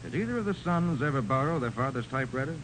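Guy playing confident radio private eye, talks fast, bouncy pitch, old noisy recording. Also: expressive, natural voice. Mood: brisk, probing. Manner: brisk, decisive, questioning. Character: brisk, stubborn, confident male private detective. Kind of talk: 1940s radio drama acting.

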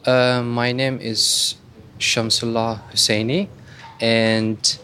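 A man in his twenties from Afghanistan, a refugee organizer, speaking softly and politely. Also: mid-range voice, flat delivery, slow. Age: 20s. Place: refugee accommodation. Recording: field recording with background noise.

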